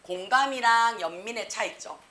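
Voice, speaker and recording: A woman English teacher giving an exam prep lecture, lively and slangy, peppering students with rhetorical questions. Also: on the high side, moderate pace, a little hiss or hum. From South Korea.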